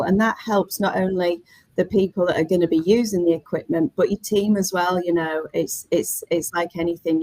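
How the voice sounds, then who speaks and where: A woman's voice: on the low side, a little mellow, no room sound, rough recording. A woman on a webinar panel explaining practical matters informally, chatty and spelling things out step by step. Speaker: workspace operator, panellist.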